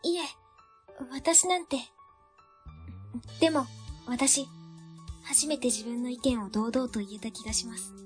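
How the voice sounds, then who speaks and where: Radio drama junior civil servant played by a woman: very high voice, sincere, formal, shy yet determined, faint music behind. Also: a little slow, pauses often, close to an everyday voice. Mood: modest, relieved. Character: earnest young female ward office worker, shy but determined. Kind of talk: amateur web radio drama acting.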